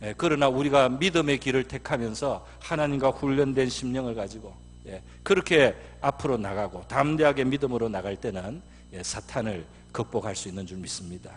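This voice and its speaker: A man's voice: mid-range voice, brisk, hardly any pauses, long reverb tail. A male pastor preaching a sermon, emphatic and peppered with affirming fillers. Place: church sanctuary.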